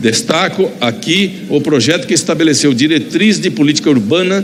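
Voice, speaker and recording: Amid noticeable background noise and audible room echo, a man with a fairly high pitch speaks at a moderate pace, making very wide pitch swings. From northern Paraná, Brazil. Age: 70s. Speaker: politician. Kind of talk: farewell speech. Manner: formal.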